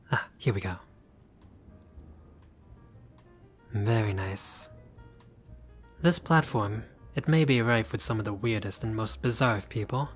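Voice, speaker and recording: A man's voice: fairly low pitch, natural voice. A man playing a haughty but friendly vampire lord in a roleplay audio, speaking in a formal, fussy, politely pompous way. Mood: curious, polite. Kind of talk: scripted roleplay audio addressed to the listener.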